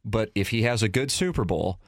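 Male sports radio host, low voice, dry close mic, opinionated and chatty. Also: animated, fairly quick, no room sound. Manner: opinionated, thinks aloud with restarts. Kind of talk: casual sports talk.

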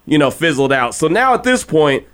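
A man's voice: fairly high pitch, sing-song, normal speed, fairly bright tone, no echo, studio quality. A man in his early forties hosting a sports podcast, chatty and slangy, speaking casually and directly to his listeners. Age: early 40s. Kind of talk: casual solo podcast talk with host-read ads.

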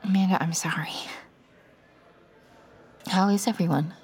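An actress playing a shaken woman accused of killing a child, speaking in a hushed, half-whispered way. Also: fairly low pitch, fairly even intonation, unhurried, close to an everyday voice. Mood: pleading, desperate. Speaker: narrator and lead character. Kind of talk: audio drama acting.

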